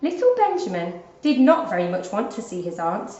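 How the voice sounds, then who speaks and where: A woman narrating a children's story aloud in an expressive, deliberate storytelling manner, like a teacher. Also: mid-range voice. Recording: dull, roomy lo-fi recording.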